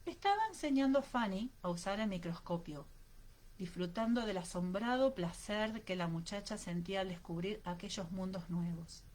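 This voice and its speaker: A woman reading an audiobook aloud in a steady, dramatic narrating manner. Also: medium pitch, slight background noise. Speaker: audiobook reader.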